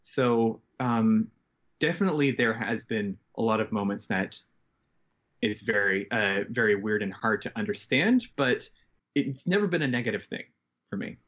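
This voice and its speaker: A man in his twenties from Canada and Japan, talking reflectively and haltingly as a guest in a casual interview. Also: lowish voice, expressive, a bit bright. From grew up in Japan, Canadian. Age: 20s. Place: bedroom at home. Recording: slightly dull, band-limited video call.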